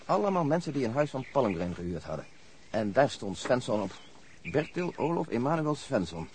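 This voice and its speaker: An actor playing a methodical police detective in a radio drama, reporting in a precise, factual manner. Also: male voice, mid-range voice, very animated, normal speed, darkish tone, a little hiss or hum, natural voice. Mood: intent, factual. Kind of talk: Dutch radio drama dialogue.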